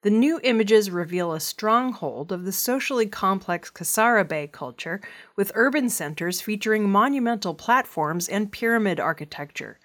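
A woman's voice: medium pitch, fairly bright tone. Woman reading archaeology news. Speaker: news reader.

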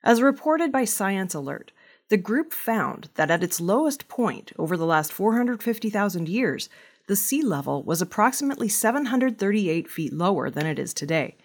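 A woman reading a scripted archaeology news bulletin with a measured, even delivery. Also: mid-range voice. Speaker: news reader.

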